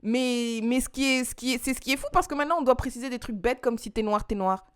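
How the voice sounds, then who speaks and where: A woman from France co-hosting a podcast in casual chat, talking in quick rushes with colloquial slang. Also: fairly high pitch, clean tone. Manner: animated, talks fast in rushes, colloquial slang. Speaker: podcast co-host.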